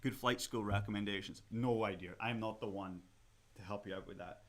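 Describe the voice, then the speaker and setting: A man with a Scottish accent chatting casually as a museum livestream host while building a model kit, rambling with many fillers and restarts. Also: a little fast. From Scotland. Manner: animated, with sudden rises in pitch and loudness when excited.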